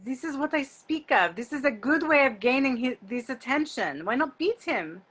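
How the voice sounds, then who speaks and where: A woman acts a young French exchange student, voice a little high. She is frank and encouraging, in an amateur comedy table read. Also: lively intonation, moderate pace, fairly bright tone, slightly rough, heavily acted. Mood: frank, prodding. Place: remote video call.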